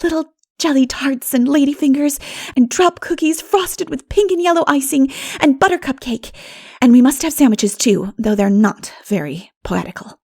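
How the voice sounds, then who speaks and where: A storybook heroine, voiced by a woman narrator, young, dreamy and full of delight. Her high voice swings up eagerly as she gushes in flowery, earnest phrases. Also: lively intonation, moderate pace, darkish tone. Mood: eager planning. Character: Anne, exuberant, dreamy, poetical schoolgirl-spirited young woman. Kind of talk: audiobook character voice.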